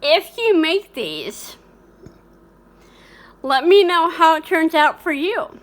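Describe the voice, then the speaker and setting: A woman's voice: extremely high pitch, sing-song, slow pace. A woman hosting a home cooking vlog, chatting casually with many fillers and restarts. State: hiccuping. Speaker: cooking channel host.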